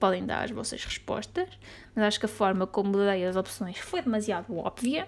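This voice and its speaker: A woman speaks at a moderate pace in a European Portuguese accent, her medium-pitched voice animated in tone with ordinary pitch variation. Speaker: podcaster. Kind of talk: casual monologue.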